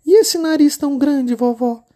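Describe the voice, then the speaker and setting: A woman voicing a timid little girl in a red hood, in a high, childlike, wide-eyed storybook voice. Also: moderate pace, warm tone, lightly acted. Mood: curious. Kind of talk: storybook narration.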